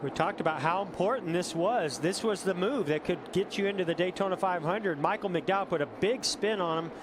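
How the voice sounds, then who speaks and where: A man gives analytical motorsport commentary, explaining as he goes. His pitch is a little high. Cars and track noise are clearly audible behind him. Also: fairly quick. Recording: noisy race broadcast, engine roar. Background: race cars and outdoor track noise.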